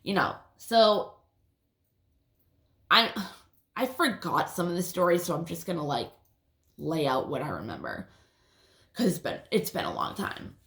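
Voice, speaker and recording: A woman's voice: low-pitched, sing-song, a little slow, pauses often, a bit bright. A woman with a lisp telling a rambling personal story in a casual, swear-filled way, often restarting her sentences. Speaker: vlogger. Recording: roomy echo.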